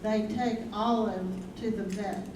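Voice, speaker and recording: A woman's voice: mid-range voice, steady tone, a little slow, close to an everyday voice. A woman reading as an ensemble narrator in a scripted staged play reading. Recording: roomy distant stage mic, loud noise.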